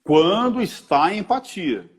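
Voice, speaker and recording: A Brazilian man talks through his ideas in an interview, lively and conversational. He keeps slipping into little acted-out quotes of everyday people. His voice sits fairly high and swings widely in pitch. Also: measured pace. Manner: animated, acts out little quoted dialogues. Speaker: body-language expert.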